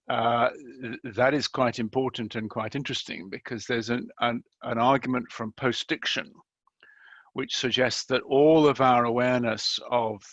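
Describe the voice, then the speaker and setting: A man asking an articulate, measured academic question over a video call, with some restarts. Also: mid-range voice, a bit bright, no echo. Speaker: audience questioner. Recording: dull lo-fi video call audio.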